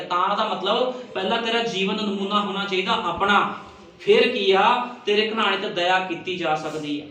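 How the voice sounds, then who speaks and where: A man's voice: sits high, bright, forceful tone. A male pastor preaching a sermon, asking rhetorical questions and driving points home with emphasis. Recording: very echoey room, distant mic, faint noise.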